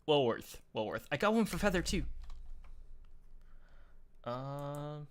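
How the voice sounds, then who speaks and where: A man's voice: on the high side, big pitch swings, slow, clean tone. A man hosting a casual live-stream chat, rambling with many uhs and restarts as he shows pictures. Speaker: show host sharing his picture folder.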